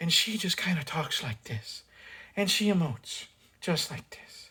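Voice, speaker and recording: At a moderate pace, a breathy, put-on character voice speaks at a middle pitch. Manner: emoting, dramatic.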